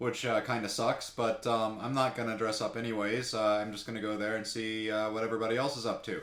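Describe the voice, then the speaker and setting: A man with a medium-pitched voice talks while audible room echo hangs around him. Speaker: programming tutorial youtuber. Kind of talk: tutorial. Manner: hesitant, many fillers.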